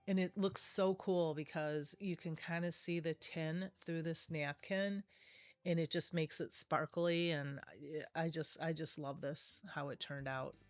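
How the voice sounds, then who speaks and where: A low-voiced middle-aged woman, nasal with a cold, narrates a craft tutorial casually as the video's host, speaking a little slowly with fairly even intonation. There's no room sound, just faint music behind her, and she rambles chattily, often correcting herself.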